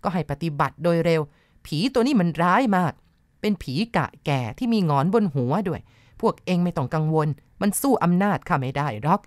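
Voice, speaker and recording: A woman's voice: lowish voice, sing-song, fairly quick, darkish tone, no room sound, studio quality. A woman doing a stern old village exorcist. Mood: commanding. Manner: commanding, harsh.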